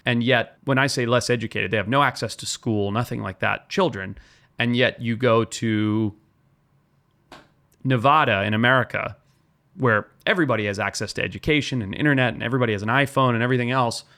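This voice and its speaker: A man's voice: mid-range voice, sharp tone. A man from Zimbabwe, a wildlife biologist guest, explaining and telling stories in an earnest podcast talk.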